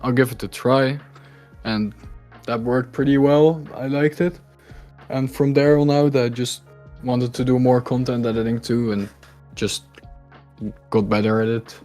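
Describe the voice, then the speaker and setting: A man guest on a casual podcast who talks in a low-key way that sounds bored. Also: fairly even intonation, a little slow, darkish tone, faint music behind. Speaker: podcast guest, video editor.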